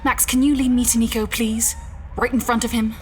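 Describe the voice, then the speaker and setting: Woman acting an anxious, incredulous doctor, high voice. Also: flat delivery, fairly quick, soft background music, natural voice. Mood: insistent. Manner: sarcastic, incredulous, questioning. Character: anxious, sharp-tongued female doctor, out of her depth. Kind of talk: science fiction audio drama acting.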